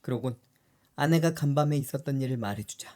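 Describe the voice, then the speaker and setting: A woman narrating an old folk tale in a calm, measured storytelling voice. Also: extremely low pitch, heavy background noise.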